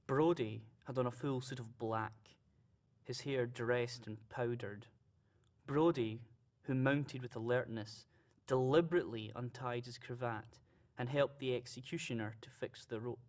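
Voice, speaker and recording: A man's voice: mid-range voice, close to an everyday voice. Prim newspaper writer, played by a man. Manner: formal, prim, measured. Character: prim, moralising 18th-century male newspaper writer. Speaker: actor. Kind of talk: radio play, reading out a report.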